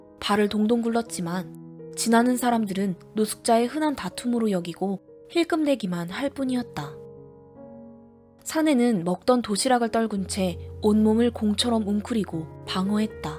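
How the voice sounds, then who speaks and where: With music in the background, a woman with a fairly high pitch speaks slowly, her intonation lively. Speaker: audiobook narrator. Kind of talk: audiobook novel reading.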